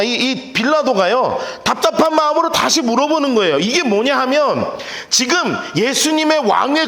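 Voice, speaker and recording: Male pastor, animated Bible-study preacher with a high, lively voice, recorded in a reverberant church. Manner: animated, asks the audience questions and acts out scenes.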